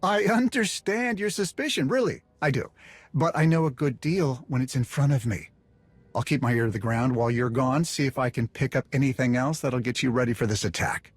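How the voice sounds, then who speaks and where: An actor playing a shifty, self-serving black-market supplier in a video game, glib and wheedling, stammering when cornered. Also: male voice, medium pitch, a little fast, slightly rough, no echo, close to an everyday voice. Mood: placating.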